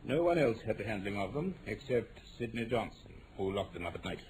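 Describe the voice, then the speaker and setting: A commanding upper-class English official in an old radio play. The voice is fairly low and formal, with strongly varied, emphatic inflection and faint vintage noise behind it. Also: male voice, very animated, a little fast. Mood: grave, precise. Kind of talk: 1940s radio drama acting.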